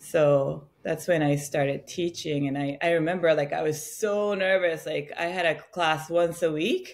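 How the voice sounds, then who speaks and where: A woman with a Japanese accent talks at a fairly slow pace and a fairly low pitch, her intonation fairly even. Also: hardly any pauses. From Japan (Tokyo). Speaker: yoga studio founder. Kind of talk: interview conversation. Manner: halting, many fillers.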